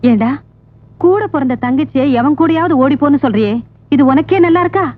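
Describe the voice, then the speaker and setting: A worried village mother who scolds her children in a high, quick voice. Heard through a thin, phone-like old soundtrack with faint music behind. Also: lively intonation. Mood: scolding. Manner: scolding and fussing. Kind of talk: 1980s film acting.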